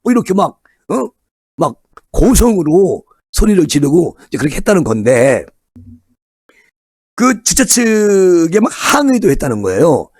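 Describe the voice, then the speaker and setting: A man giving a casual solo political commentary, animated and chatty, sometimes dropping into low muttered asides. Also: measured pace, breathy edge, dry recording, studio quality. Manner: animated, acts out crowd chants in raised voice.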